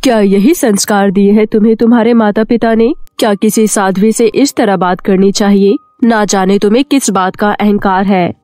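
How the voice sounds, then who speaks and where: A woman's voice: mid-range voice, fairly even intonation, moderate pace, few pauses, mellow, no room sound, soft background music, close to an everyday voice. Woman doing a stern hermit lady in a cartoon tale, scolding and solemn, dry sound. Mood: indignant. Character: stern, offended female ascetic who lays curses. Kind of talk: cartoon moral-story character voice.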